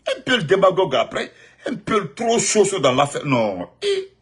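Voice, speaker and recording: A man with a Guinean French accent giving spontaneous political commentary, emphatic and repetitive, jumping from loud outbursts to muttered asides. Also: high voice, wildly swooping pitch, normal speed, slightly rough.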